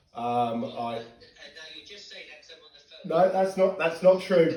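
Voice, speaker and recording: At a very slow pace, a man with a high pitch and lively intonation speaks over noticeable background noise. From grew up in England from age four. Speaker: football fan. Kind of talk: phone call.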